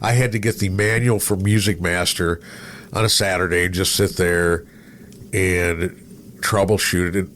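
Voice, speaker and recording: A man's voice: deep voice, fairly even intonation, unhurried, fairly bright tone. A middle-aged man hosting a casual conversational interview, telling stories and voicing his own thoughts as he goes. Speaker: podcast host, former radio programmer. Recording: noticeable background noise.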